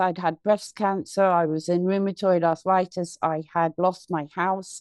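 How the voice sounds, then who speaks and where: A woman talks with a normal speaking voice at a medium pitch and a fairly slow pace, hardly pausing. The sound is dry and close with no echo, over a quiet background. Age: 50s. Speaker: healing session client. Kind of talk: casual chat.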